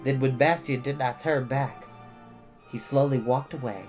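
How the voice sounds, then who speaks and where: A storyteller reading fantasy fiction aloud as expressive storybook narration. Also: medium pitch, normal speed. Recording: slightly dull, band-limited audio. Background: faint music.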